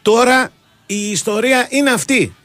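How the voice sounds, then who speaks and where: A man's voice: extremely high pitch, a bit bright, no echo, faint music behind. A man, co-hosting a sports radio show, arguing his case in casual chat and piling up examples. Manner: argumentative, piles up examples and restarts.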